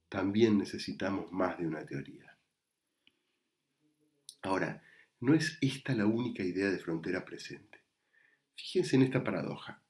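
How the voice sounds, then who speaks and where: A man with an Argentine Spanish accent, a psychoanalyst giving a prepared talk recorded remotely in a measured, reflective way. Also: fairly low pitch, darkish tone. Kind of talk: prepared lecture read to camera. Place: recorded remotely, not in the event hall.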